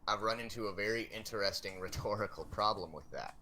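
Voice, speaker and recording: Male guest in casual chat, low but bright voice, hesitant. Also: fast, slight background noise. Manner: hesitant, many fillers.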